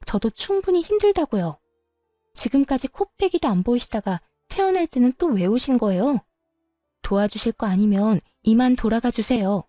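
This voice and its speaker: A worn-out young wife who has had enough and pushes back, voiced by a woman narrator. She speaks firmly and bluntly in a storybook revenge tale. The tone is mellow and dry. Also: fairly high pitch, expressive, normal speed, no room sound, faint music behind, natural voice. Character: exhausted young sister-in-law, finally standing her ground.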